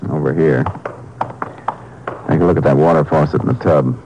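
An actor playing a calm, businesslike Texas Ranger investigator, laconic and authoritative, in a 1950s radio drama. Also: male voice, extremely low pitch, moderate pace. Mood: calm, deductive. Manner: laconic, matter-of-fact, authoritative. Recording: noisy old radio broadcast.

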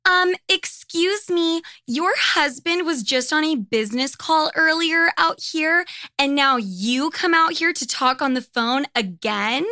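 A woman's voice: high-pitched, measured pace, bright, forceful tone, no room sound, studio quality, voice pushed up, exaggerated voice. A woman mimicking a prim scolding hotel lady. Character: stern disapproving Swiss hotel guest woman.

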